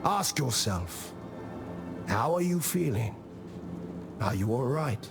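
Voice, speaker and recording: An actor playing a wise old tribal diplomat in a video game, speaking in a measured, solemn and philosophical way, calm and patient with a gently stern edge. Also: male voice, medium pitch, gravelly, full character voice. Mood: calm, caring. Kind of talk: scripted video game character monologue. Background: music.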